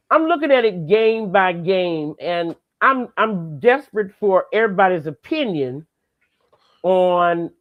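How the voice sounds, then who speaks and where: A woman's voice: medium pitch, phone-quality sound. A woman giving blunt, opinionated takes in a casual sports chat show. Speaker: segment guest commentator.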